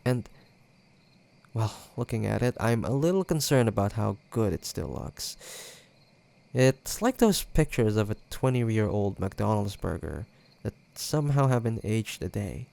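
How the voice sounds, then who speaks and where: Casting: male actor as teasing young ex in intimate audio roleplay; swooping intonation, unhurried delivery, casual banter. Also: on the low side, lively intonation, gravelly, a little mellow. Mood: wry amusement. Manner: teasing, hesitant, casual banter with trailing pauses. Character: playful teasing young man, nostalgic ex-boyfriend in treehouse.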